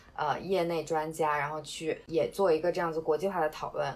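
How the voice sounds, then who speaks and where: Fairly low in pitch, a woman with an unremarkable speaking voice talks with ordinary pitch variation. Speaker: podcast social media manager, graduate student. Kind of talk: casual interview.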